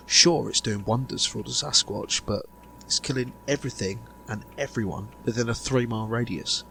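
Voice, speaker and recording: A man playing a grave insider revealing a sinister conspiracy in an amateur audio drama, speaking deliberately with dramatic pauses. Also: mid-range voice, creaky, pushed and bright, a little hiss or hum, poor audio. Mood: grave, bewildered.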